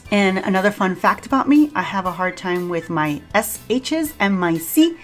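A woman's voice: mid-range voice, lively intonation, normal speed, soft background music. A woman with a Cuban accent, talking casually through a home cooking vlog, chatty and self-deprecating and laughing often. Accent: Cuban Spanish. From Cuba. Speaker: cooking vlogger. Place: home kitchen.

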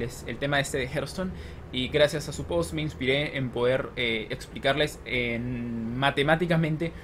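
A man in his twenties talking casually to camera like a gaming vlogger, explaining things step by step. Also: medium pitch. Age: 20s. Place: small room at home with open window. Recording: clear background noise from street, open window.

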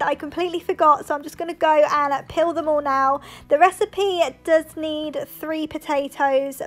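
A young woman vlogger doing a chatty voice-over, talking viewers through a recipe step by step. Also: high-pitched. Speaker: lifestyle vlogger. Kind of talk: voice-over narration of a cook-along.

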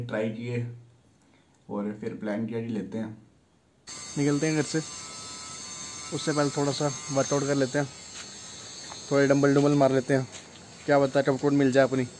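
A man's voice: medium pitch, a little mellow, slight background noise. A man, chatting casually to a phone at arm's length as a travel vlogger. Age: 20s. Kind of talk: casual travel vlog chat. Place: plain rooms, rooftop, streets and shops.

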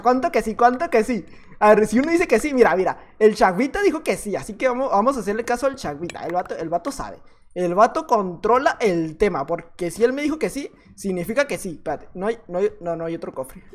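A man with a Mexican accent giving playful, joking gameplay commentary as a youtuber, laughing often. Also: sits high. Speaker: youtuber gamer.

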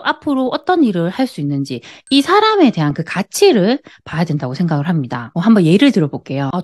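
A woman in her late thirties talking earnestly to camera about money, into a studio mic in a plain room. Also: fairly low pitch. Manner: earnest, lively, explanatory. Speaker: personal finance YouTuber. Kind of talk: direct-to-camera talk. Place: plain white-walled room indoors. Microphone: studio mic on a boom in front of her.

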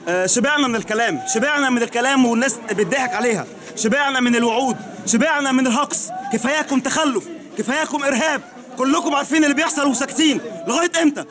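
Angry, high-pitched Egyptian man, near tears. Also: very fast. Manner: angry, distressed, agitated shouting. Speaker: witness interviewed at the scene. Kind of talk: impassioned street interview. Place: outdoors in a crowded hospital yard. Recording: busy outdoor crowd noise.

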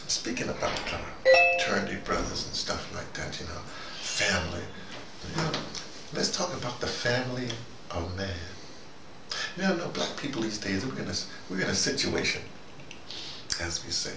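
A man giving a rambling, informal monologue as host, halting and digressive, often falling back on "you know". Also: on the low side, sing-song, gravelly. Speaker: host of a spoken dispatch series. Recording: roomy, noisy, distant microphone.

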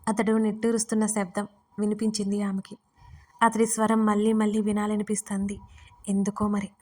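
A woman narrating a romance story in an even, steady reading style. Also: mid-range voice, a little fast.

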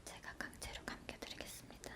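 Woman doing whispered role-play as a lash tech, real soft breathy whisper, polite and gentle with the client. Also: a little fast. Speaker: ASMR performer playing an eyelash extension technician.

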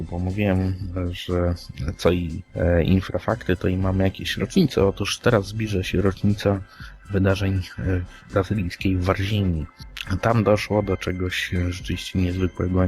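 A man co-hosting a podcast, talking through news conversationally with halting, hesitant phrasing. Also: sits low, flat delivery, darkish tone. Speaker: podcast co-host.

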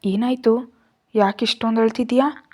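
A woman's voice: on the high side, fairly even intonation, measured pace, mellow. A woman reading the part of a teenage boy who fusses over his older sister and stubbornly refuses to let her leave. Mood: worried. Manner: concerned, questioning, insistent. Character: teenage boy, caring younger brother, stubborn.

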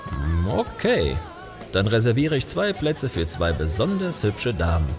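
An actor playing a flirty, easygoing café barkeeper in an audio drama. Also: male voice, fairly low pitch, wildly swooping pitch, a little slow, over music, full character voice. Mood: friendly, flirty.

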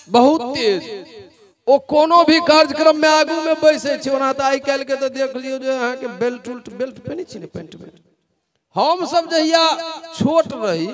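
A young man performing stand-up comedy on an outdoor festival stage, talking into a handheld microphone and acting out the voices in his stories. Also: very high-pitched. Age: young adult. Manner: animated storytelling, acting out quoted voices. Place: outdoor festival stage under a tent canopy. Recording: live stage sound with audible crowd.

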